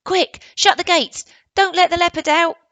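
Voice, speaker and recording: A woman's voice: on the high side, sing-song, brisk, fairly bright tone, no room sound, pitched above the performer's own voice. A woman voicing a boy in fancy dress who gives urgent, bossy calls. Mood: commanding.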